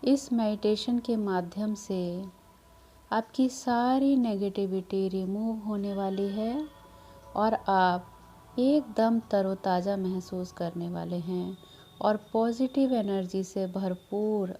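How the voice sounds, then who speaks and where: A woman leading a guided meditation in a soothing, measured manner, leaving long pauses between short instructions. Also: medium pitch, warm tone. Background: background music.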